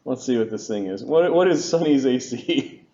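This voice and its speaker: A man's voice: mid-range voice, animated, normal speed, crowd noise. A man casually narrating a tabletop game as game master. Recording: dull lo-fi audio.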